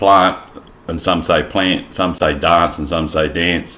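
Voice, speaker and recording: Over noticeable background noise, a man with a strong Australian accent talks at a moderate pace. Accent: broad Australian. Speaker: podcast co-host. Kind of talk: casual chat. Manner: animated.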